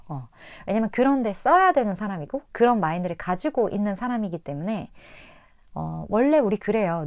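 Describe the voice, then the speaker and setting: A woman giving a relaxed tarot reading to her viewers, musing aloud in a gentle way with soft hums and fillers. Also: mid-range voice, dry recording, studio quality. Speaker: tarot reader.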